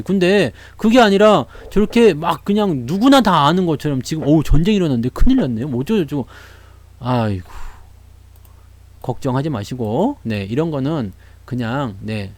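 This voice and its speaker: A man's voice: sits high, no echo. A man giving casual stock market commentary, blunt and slangy, mocking with rhetorical questions.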